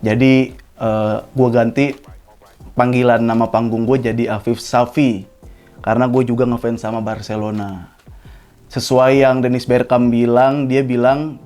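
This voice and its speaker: A man, telling stories from his life in a casual, slangy stand-up monologue, his pitch jumping up at the punchlines. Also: unhurried, soft background music. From Jakarta, Indonesia. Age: 20s. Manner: casual slangy storytelling with animated pitch jumps. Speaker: stand-up comedian. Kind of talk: comic monologue storytelling. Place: studio.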